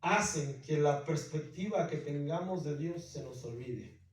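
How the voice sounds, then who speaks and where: A pastor delivers an emphatic sermon in an American church, repeatedly calling out to the people gathered there. He speaks a little slowly in a fairly high voice, with a faint hiss or hum. The hall is very reverberant and the mic sits far away.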